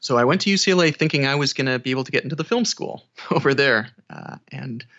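A man's voice: mid-range voice, fast, fairly bright tone. A man speaking as an interview guest, an audiobook narrator casually recounting his experiences. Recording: dull, band-limited audio.

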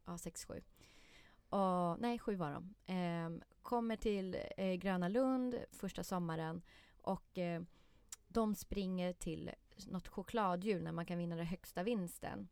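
A woman who is a guest on a podcast, telling a lively personal story in casual chat and acting out the quotes. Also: fairly low pitch, clean tone, no room sound. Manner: lively storyteller, many fillers and restarts, acts out quotes.

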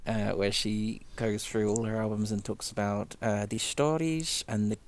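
A man's voice: lowish voice, fairly even intonation, normal speed. A man in casual chat about music, enthusiastic and chatty, laughing easily as he talks.

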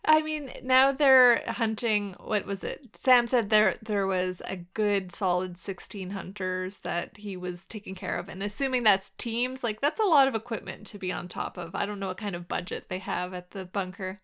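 A woman co-hosting a casual podcast, relaxed and recapping plot in a plain, easy way. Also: mid-range voice, normal speed, hardly any pauses. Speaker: podcast co-host. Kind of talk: casual chat.

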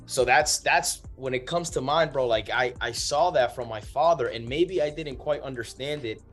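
A man's voice: medium pitch, moderate pace, fairly bright tone. A man from the Dominican Republic, raised partly in the United States, chatting emphatically as a guest, with swearing and frequent check-in questions. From Dominican Republic, moved to the United States at seven. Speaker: guest, men's movement leader. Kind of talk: casual motivational chat. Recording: music behind the voice. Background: music.

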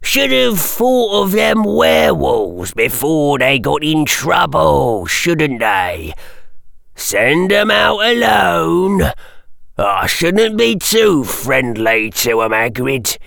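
A man putting on a nasty old caretaker, cackling, gloating, slow drawl, gravelly. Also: fairly high pitch, big pitch swings, a bit bright, dry recording, voice pushed up, exaggerated voice.

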